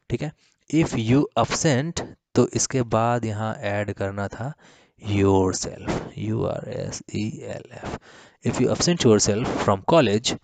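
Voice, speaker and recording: A slow-explaining Hindi-speaking male teacher. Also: fairly low pitch, gravelly, a little mellow, no echo. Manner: explains in Hindi, reads English sentences slowly; repeats words and spells them letter by letter. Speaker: English teacher. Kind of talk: exam-prep grammar lesson.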